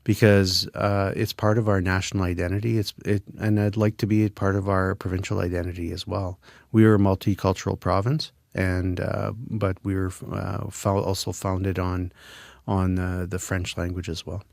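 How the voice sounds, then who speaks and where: A man in his fifties from Manitoba, a former French immersion teacher, answering radio interview questions in an earnest, halting way with many filler sounds. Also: low voice, level tone, creaky, darkish tone, dry recording, studio quality. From Manitoba, Canada.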